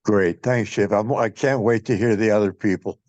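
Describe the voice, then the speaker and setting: A man's voice: lowish voice, steady tone, moderate pace, a little mellow, no room sound, dull audio. A married man on a group video call, speaking bluntly and with profanity, joking. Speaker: caller.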